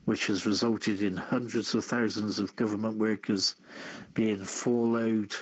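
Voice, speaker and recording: A man hosting a live online radio show and reading out copy in a halting way, stumbling over his words. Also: on the low side, fairly even intonation, darkish tone, highs cut off.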